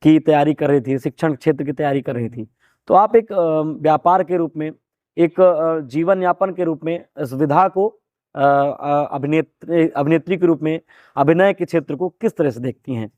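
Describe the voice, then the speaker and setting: A man's voice: a little high, darkish tone, no room sound. A man hosting an interview, asking long formal questions with many hesitations, with a Bagheli-region Hindi accent. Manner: halting, many fillers, formal wording. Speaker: interviewer, host.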